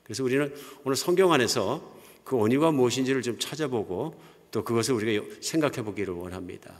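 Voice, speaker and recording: Talking fast with lively intonation, an older pastor with a mid-range voice preaches in a chatty, anecdotal style punctuated by soft chuckles. The church sanctuary adds a long hall reverb.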